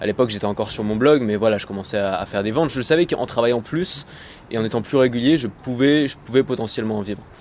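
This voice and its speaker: This man's medium-pitched voice moves at a very fast pace with ordinary pitch variation. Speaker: web entrepreneur. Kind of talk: interview.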